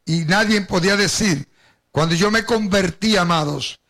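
Older male preacher, Caribbean Spanish accent, high and very crackly voice, tells his testimony straight to the congregation. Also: moderate pace, fairly bright tone. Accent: Caribbean Spanish, Puerto Rican with Cuban influence. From Puerto Rico. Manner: storytelling, addresses the congregation directly. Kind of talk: sermon with personal testimony.

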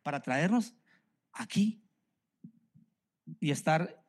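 A man's voice: on the high side, lively intonation, takes it slowly. A middle-aged man from Mexico with a Mexican Spanish accent, preaching a sermon earnestly and repeating phrases for emphasis. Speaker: pastor.

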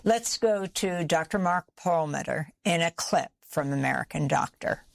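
A woman hosting a news interview show in a studio, introducing clips and asking direct, brisk questions. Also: low-pitched, gravelly, slight background noise.

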